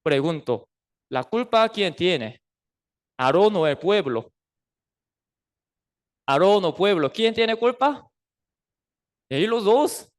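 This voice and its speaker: A man's voice: high voice, big pitch swings, slow pace, pauses often. A Costa Rican man preaching a sermon, constantly asking the congregation rhetorical questions and acting out the people in his stories. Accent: Costa Rican Spanish. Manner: acts out quoted figures in a raised voice. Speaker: pastor. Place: church.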